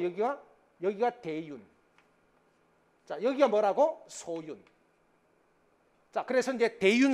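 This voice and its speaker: A middle-aged male lecturer with a fairly high voice that swings widely up and down. He talks into a handheld mic in a lecture studio, and he keeps throwing rhetorical questions at the class before answering them himself. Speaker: history lecturer. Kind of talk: exam-prep classroom lecture. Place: lecture studio in front of a green board. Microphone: handheld microphone.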